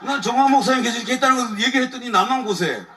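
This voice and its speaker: A man's voice: very high voice, very fast, pushed and bright, recorded from a distance. A man, a lawyer, giving a colloquial testimony at a church service, telling his grievances with frequent chuckles. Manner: colloquial, chuckles often, aggrieved storytelling. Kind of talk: animated testimony talk. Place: church evening service before a congregation.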